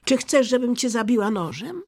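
A storyteller voicing a fierce, bossy young robber girl who talks loud and threatening, in a husky, creaky voice. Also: mid-range voice, big pitch swings, a little slow, voice pushed up, heavily acted.

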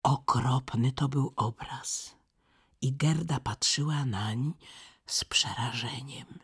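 A storyteller reading a fairy tale slowly and expressively, often dropping to a half whisper. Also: medium pitch, breathy edge.

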